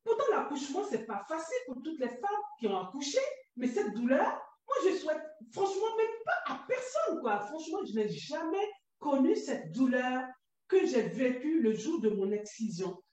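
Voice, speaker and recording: Intense high-voiced woman in an echoey room. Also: sing-song, normal speed, darkish tone. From Côte d'Ivoire. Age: adult mother. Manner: intense, emotional, reliving painful memories. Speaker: guest giving testimony. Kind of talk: emotional personal testimony. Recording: very echoey room, distant mic.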